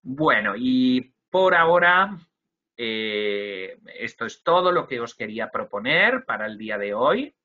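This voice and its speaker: Teaching fellow teachers over a webcam, this young Spanish teacher trainer walks through his slides one at a time with plenty of "ujú" and "eh" fillers. He has a medium-pitched, sharp voice that swings widely in pitch while keeping an unhurried pace. He's in an indoor room, and the call audio is dull and low-fidelity.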